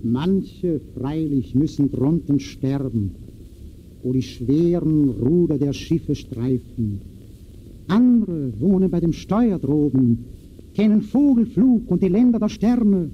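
An actor playing a solemn, urgent announcer who declaims rhythmic verse in 1920s expressionist radio-play style. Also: male voice, a little high, animated, slow pace. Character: solemn, urgent poetic announcer calling to the masses. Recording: dull, noisy old radio recording.

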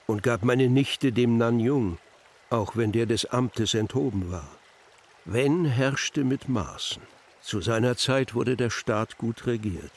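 An actor playing Confucius as a stern old sage, measured, didactic and solemn, in a literary radio drama. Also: male voice, mid-range voice. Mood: reflective. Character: Confucius, stern old Chinese sage teaching his disciples.

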